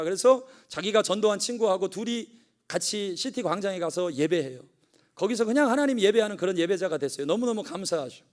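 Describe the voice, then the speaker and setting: A middle-aged male pastor with a notably high voice delivers a Korean-language sermon. He tells a family story and shifts between quiet confiding moments and fervent exhortation. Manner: storytelling, swings from hushed to fervent.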